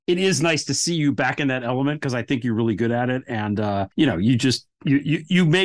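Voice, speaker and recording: A man hosts a casual podcast interview. He speaks warmly, in a halting way, with many fillers. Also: mid-range voice. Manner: warm, complimentary, halting with fillers. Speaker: podcast host.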